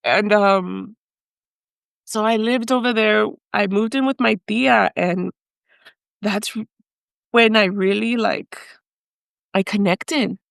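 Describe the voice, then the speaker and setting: A woman's voice: medium pitch, fairly even intonation, takes it slowly, vocal fry, pauses often, no room sound, studio quality. A woman telling her personal story as a podcast guest, speaking hesitantly and with feeling, slipping in phrases. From raised in the United States by Mexican parents. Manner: hesitant, emotional, mixes in Spanish phrases.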